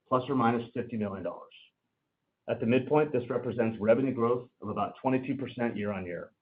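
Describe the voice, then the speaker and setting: A man giving a formal, measured, scripted financial presentation as a company executive on a conference call. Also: medium pitch. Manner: formal, measured delivery of prepared remarks. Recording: narrow tinny phone-line sound.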